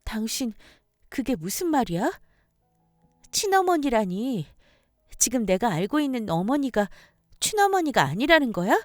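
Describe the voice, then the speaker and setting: A woman voicing a shocked, furious wife who hurls sharp accusations at her husband. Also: on the high side, big pitch swings, measured pace, pauses often, no echo, studio quality, faint music behind, voice pushed up.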